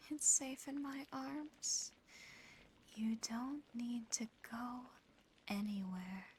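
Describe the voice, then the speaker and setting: A woman voicing an affectionate, possessive female demon in a soothing, intimate, softly teasing whisper for an ASMR roleplay. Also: fairly high pitch, low-quality recording. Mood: soothing, tender. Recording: close whisper over clear background noise.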